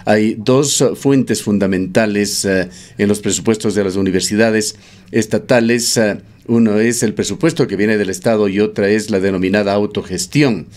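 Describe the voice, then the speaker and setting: A man hosting a radio news program, interviewing a guest and reading a measured report with occasional fillers. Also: lowish voice, a little mellow. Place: radio studio.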